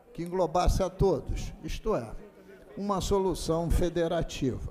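There is light background noise as a man speaks. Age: 70s. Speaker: state legislator. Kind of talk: parliamentary speech. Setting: legislative chamber. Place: hall. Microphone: podium.

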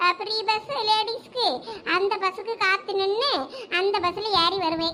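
A woman puts on a character voice at an extremely high pitch, speaking fairly slowly with fairly even intonation. Clear background noise is present. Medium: voice reel. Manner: grumbling, comic.

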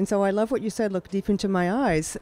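A woman with an unremarkable speaking voice talks at a fairly quick pace and a medium pitch, the sound dry with no echo. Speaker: dating coach, author. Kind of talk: interview. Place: bar. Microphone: handheld.

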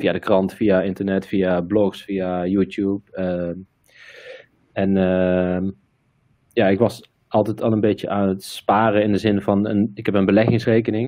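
This man talks at a fairly slow pace in a fairly low pitch. His intonation stays flat and monotone against a quiet background. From Eindhoven, Netherlands. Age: 30s. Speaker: viewer and hospitality worker, amateur investor. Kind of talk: casual interview. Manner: hesitant, many filler words. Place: home room. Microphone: video call.

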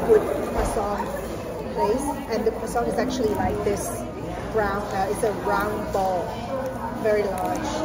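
A woman speaks. Clear music plays in the background. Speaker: food vlogger. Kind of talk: casual mukbang chat. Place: cafe. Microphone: phone near.

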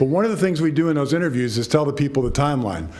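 With audible room echo and noticeable background noise around him, a man's voice sits at a fairly high pitch. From New Jersey. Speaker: superintendent search consultant. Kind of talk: presentation to a school board. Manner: fast.

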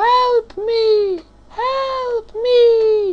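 A put-on character voice pitched extremely high. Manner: pleading, desperate.

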